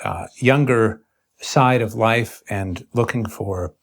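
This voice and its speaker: Halting, earnest academic man interviewing. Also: fairly low pitch, gravelly. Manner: halting, searching, formal academic phrasing. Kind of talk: earnest intellectual conversation.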